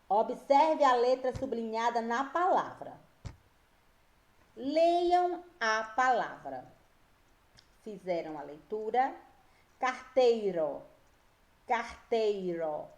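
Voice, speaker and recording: A woman teacher, giving a slow and patient reading and spelling lesson to young children, often checking whether they follow. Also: on the high side, a little mellow, roomy sound. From Brazil. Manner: slow, patient, drawn-out words, frequent checks with pupils. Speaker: primary school teacher.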